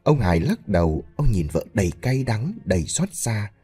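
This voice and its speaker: Male narrator, scripted dramatic story reading, animated intonation, light music bed. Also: lowish voice, moderate pace, breathy edge.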